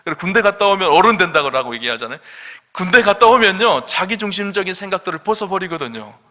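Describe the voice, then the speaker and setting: A man's voice: sits high, expressive, fast talker, sharp tone. A middle-aged male senior pastor preaching a sermon, emphatic and asking the congregation questions. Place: church sanctuary. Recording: long church hall reverb.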